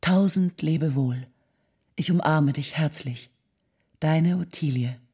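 Fond 1800s lady writing to old friend, husky, mellow, lowish voice. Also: takes it slowly, full character voice. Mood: affectionate. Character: affectionate, encouraging 19th-century woman writing to an old friend. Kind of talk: dramatic reading of historical letters.

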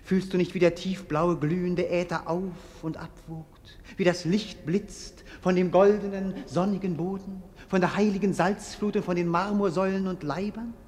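High-voiced melancholy young prince played by a man. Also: steady tone, moderate pace, few pauses, darkish tone, lightly acted. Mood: rapturous. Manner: theatrical, eloquent, world-weary. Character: melancholy, witty young prince, bored and dreamy. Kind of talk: classic German radio play acting.

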